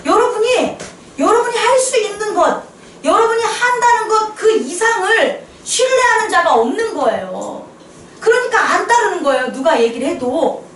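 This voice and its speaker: High, lively woman preaching in an echoey room. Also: moderate pace, slight background noise. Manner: lively questioning of listeners, mixes English phrases. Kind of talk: sermon. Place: small church. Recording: echoey room, voice a bit far from mic.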